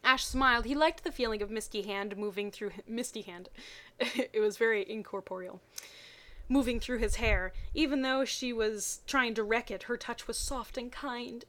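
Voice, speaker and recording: A woman with a somewhat high voice reads amateur fiction aloud. Her delivery is expressive and dramatic, broken up by sardonic, muttered commentary in a drier tone. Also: normal speed. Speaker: reader of fan fiction. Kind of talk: mocking dramatic reading of badly written fan fiction with dry asides.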